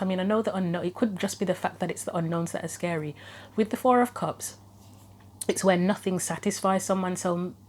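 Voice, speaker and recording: Low-voiced woman giving a casual tarot reading. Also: a little mellow, a little hiss or hum. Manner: informal, tentative, thinking aloud with hedged possibilities. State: throat trouble, voice starting to go, clearing throat. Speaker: tarot reader, host of own channel.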